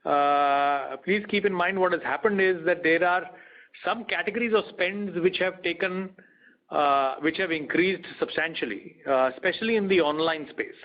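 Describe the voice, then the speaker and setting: A man's voice: a little high, normal speed. A man with an Indian accent, a bank executive explaining figures matter-of-factly on an earnings call. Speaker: bank retail business executive. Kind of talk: earnings call question and answer. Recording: dull conference call audio.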